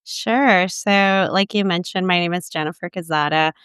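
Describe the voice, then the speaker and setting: A young woman from the Dominican Republic, an attorney being interviewed, explaining in a measured way with frequent ums. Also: lowish voice, fairly bright tone, clear, resonant tone, no echo. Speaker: immigration attorney, guest. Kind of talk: interview answers.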